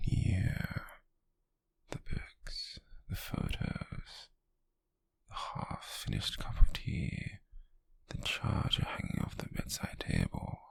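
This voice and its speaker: A British man playing an obsessive, menacing stalker in an ASMR roleplay, whispering in a teasing, possessively tender way with a breathy, gravelly voice. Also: rumbling low, no room sound, full character voice. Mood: fond, creepy. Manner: slow, lingering, teasing and menacing. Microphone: very close, dry microphone.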